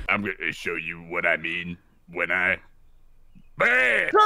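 Very deep and low, this man's voice is raspy. He speaks at a fairly slow pace with fairly even intonation. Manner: boastful.

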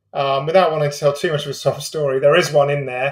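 Speaking with a southern English accent, a man sounds somewhat breathy. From southern England, Buckinghamshire. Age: 50s. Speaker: business executive. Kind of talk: interview. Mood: reflective, personal story. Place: home room.

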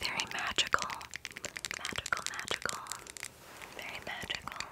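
Moderate pacing from a soft-spoken woman. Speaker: candle seller. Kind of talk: soft-spoken product showcase. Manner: soft close-mic ASMR voice. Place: home room. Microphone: studio mic.

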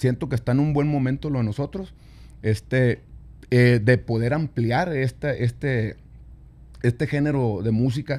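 Dark, mellow tone from a man, delivered at a moderate pace. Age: 30s. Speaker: regional Mexican musician and former radio announcer; former radio announcer. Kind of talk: casual interview. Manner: repetitive, stammering restarts. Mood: relaxed, reflective. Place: studio. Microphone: studio mic.

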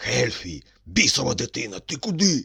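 A put-on character voice from a man, raspy and hoarse, medium in pitch, at a moderate pace

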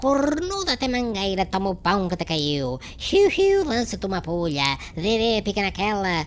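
Clear background noise sits behind a woman speaking at a moderate pace in a medium pitch. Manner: abusive, manic, rattling insults.

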